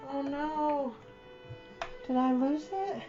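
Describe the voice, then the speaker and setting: A livestream host of about thirty chatting casually and exclaiming in an animated, talkative way. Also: high-pitched, takes it slowly, dull audio. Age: 30s. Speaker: livestream host who reads books aloud. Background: prominent jazz music.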